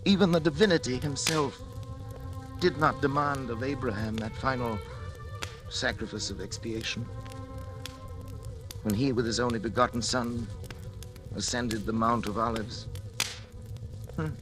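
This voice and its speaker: An actor playing a guilt-ridden scientist father, narrating his crime in grave, measured tones, in a vintage radio drama. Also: mid-range voice, steady tone, lightly acted, poor audio. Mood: anguished. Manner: hushed, coaxing with his son, then solemn confessional narration. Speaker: doctor and narrator. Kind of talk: 1940s radio drama acting. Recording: old radio broadcast with music bed.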